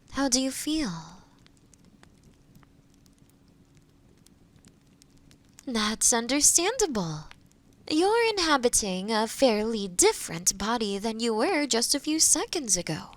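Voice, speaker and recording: A woman performs a kind forest witch in a fantasy audio roleplay. Her voice sits fairly high and moves with a lively melody. She explains things slowly and gently, reassuring whoever is listening. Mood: gentle, attentive.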